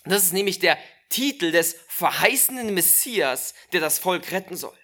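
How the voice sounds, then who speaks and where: A preacher giving a sermon, slow and emphatic, repeating key phrases and speaking directly to the listeners. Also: mid-range voice, animated, a bit bright.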